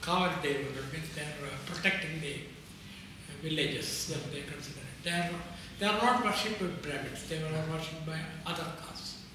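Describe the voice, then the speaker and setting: A man's voice: fairly high pitch, far from the mic, background noise. Elderly Indian man in an echoey room. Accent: Indian English. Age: older. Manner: unhurried, repeats and restarts phrases while recalling. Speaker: award-winning interviewee. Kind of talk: reflective interview answers. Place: bright room in front of a banner, seated.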